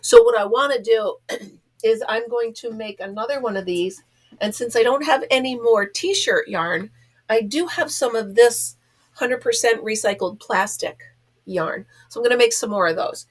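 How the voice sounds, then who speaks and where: A woman's voice: fairly high pitch, moderate pace. Congested woman, pinched-nose nasal voice. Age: middle-aged or older, a grandmother. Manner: rambling, self-deprecating, giggly. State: stuffed up from being sick. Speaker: host of a crochet vlog. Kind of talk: casual chatty vlog.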